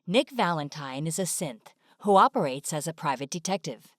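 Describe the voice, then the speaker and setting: Low-pitched woman narrator, very dry sound. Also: lively intonation, moderate pace, dry recording. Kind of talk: scripted informational narration. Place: dry studio-like voice-over recording.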